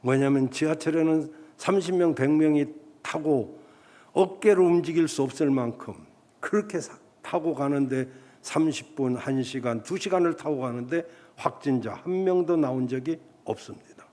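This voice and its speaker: A pastor in his fifties preaching a sermon in a church, animated, rising loud when he quotes voices and dropping soft, reading scripture slowly and solemnly. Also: on the high side. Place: church sanctuary.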